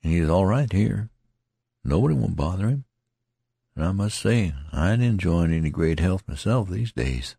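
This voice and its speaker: A wounded rustic soldier, as a male reader puts him on, musing in a folksy, homespun drawl. The voice is lifted from a very deep, gravelly base and stays slightly husky. It sounds close and dry. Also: lively intonation, normal speed, mellow, no room sound, exaggerated voice.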